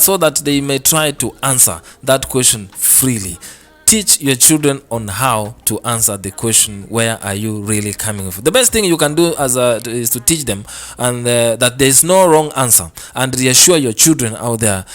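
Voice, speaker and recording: A man hosting a radio advice segment, speaking earnestly and repeating his points to parents and children listening. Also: medium pitch. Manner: earnest, repetitive, addresses parents and kids directly. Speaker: radio show host. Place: radio studio.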